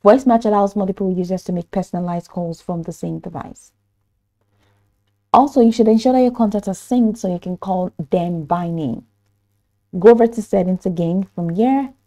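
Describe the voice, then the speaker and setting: A woman narrating a step-by-step software tutorial in an instructional manner, hesitant in places. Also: mid-range voice, normal speed. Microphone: voice-over for screen recording.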